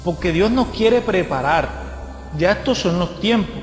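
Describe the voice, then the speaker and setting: A male guest preacher, delivering a lively sermon and acting out the voices of people in his stories. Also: high voice, measured pace, faint music behind. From Colombia. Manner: lively storytelling, acts out voices of others. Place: church hall. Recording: echoey church hall with long reverb.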